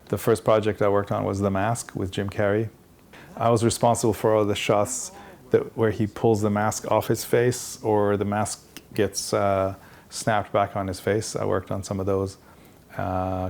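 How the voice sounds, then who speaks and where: A man in his fifties from Iran tells his story in a documentary interview. His voice is very deep with a gravelly edge and stays fairly level in tone. He speaks in a reflective, unhurried way with small restarts, while soft guitar music plays behind him. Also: level tone. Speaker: visual effects artist.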